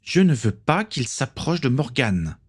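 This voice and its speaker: A man's voice: medium pitch, sing-song, unhurried, slightly rough, voice pushed up. A man voicing a protective, defiant teenage boy who talks in a tense, raised voice.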